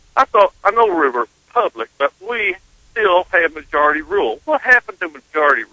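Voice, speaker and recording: This man has a high voice and talks at a fairly quick pace with very wide swings in pitch. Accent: Arkansas. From northeast Arkansas (Jonesboro). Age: 60s. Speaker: radio caller. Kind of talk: call-in radio talk show. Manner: halting.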